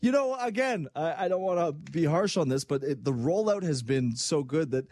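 Lively man hosting a sports talk show. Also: on the high side, normal speed, dry recording, studio quality. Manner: animated, acts out quoted voices. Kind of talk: casual chat.

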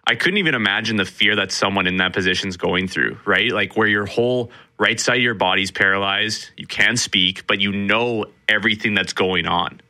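A man's voice: lowish voice, moderate pace, hardly any pauses. A man reporting on a radio talk show, talking casually and animatedly with rambling asides. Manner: animated, laughs easily, rambling.

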